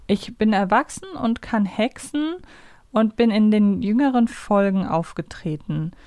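A German woman chatting casually as a podcast host in a guessing game, asking questions and thinking aloud haltingly. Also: medium pitch, warm tone, dry recording, clean studio sound.

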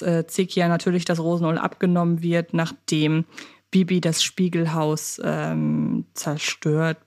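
A woman's voice: fairly low pitch, darkish tone. A woman chatting casually as a quiz contestant on a podcast, with a teasing, playfully sarcastic manner.

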